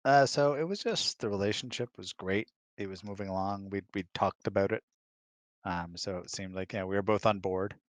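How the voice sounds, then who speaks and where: A man's voice: fairly low pitch, normal speed, dry recording. A man answering questions in a casual, informal, conversational way. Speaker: co-host, husband of the host.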